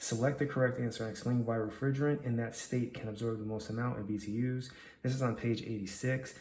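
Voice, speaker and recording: Over audible room echo, a man speaks very fast in a somewhat breathy voice with monotone, flat intonation. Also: medium pitch for a man. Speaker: HVAC student. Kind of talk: study session going over textbook answers. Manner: casual, halting with fillers; slurs words at times.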